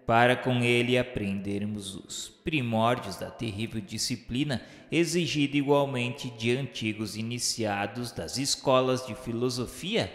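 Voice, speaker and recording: A Brazilian man giving a solemn, dramatic first-person narration for a radio novel, with formal, literary diction. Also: medium pitch. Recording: echoey hall reverb with music. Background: music.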